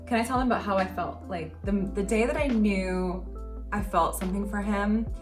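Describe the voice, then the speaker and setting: A woman's voice: mid-range voice, normal speed, recorded from a distance. A young woman hosting her channel, chatting casually about how she met her partner, with lots of fillers and laughter. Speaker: channel host. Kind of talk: casual couple chat. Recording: roomy echo, faint music.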